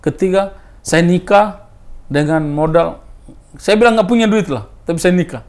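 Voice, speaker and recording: Animated man telling his faith story. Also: high-pitched, moderate pace. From Timor Leste. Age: 30s. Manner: animated storyteller, voice rising with emphasis. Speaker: interviewee. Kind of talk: personal testimony in casual interview.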